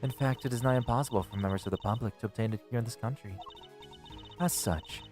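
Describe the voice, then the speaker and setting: A man's voice: mid-range voice, fast, darkish tone, soft background music, close to an everyday voice. A man voicing a smug, pompous judge with formal diction in a live reading of a game. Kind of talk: live voiced game playthrough.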